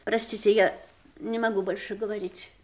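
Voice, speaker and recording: Актриса играет усталую, горько-ироничную жену у постели умирающего мужа, сдержанно и задумчиво. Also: female voice, medium pitch, flat delivery, normal speed, close to an everyday voice. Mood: wistful. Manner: restrained, wistful, sharply ironic. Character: aging wife at her husband's deathbed, weary and bitter. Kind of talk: 1980s stage radio play acting.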